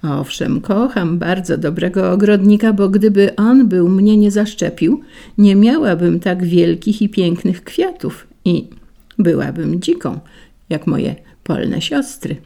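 A grateful garden rose from a storybook who speaks with soft earnestness, as a woman reader puts her on. The tone is dark and mellow with some gravel in it. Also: on the low side, expressive, slow, heavily acted. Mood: earnest. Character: gentle grateful female rose flower.

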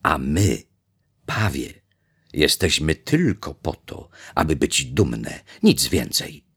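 A man's voice: a bass voice, big pitch swings, slow, slightly rough, full character voice. A man voicing a proud, stern father peacock who scolds his son in a children's story. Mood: scolding. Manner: scolding, shouting.

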